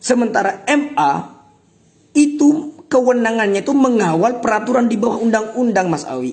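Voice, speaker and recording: Here a man talks at an extremely high pitch. His pace is moderate and his intonation lively. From Madura, Pamekasan. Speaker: legal practitioner. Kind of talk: political commentary monologue.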